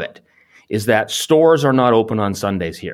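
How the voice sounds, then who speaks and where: Using a normal speaking voice, a man talks at a moderate pace and medium pitch with lively intonation. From Canada. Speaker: photographer. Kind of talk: casual chat. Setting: remote call.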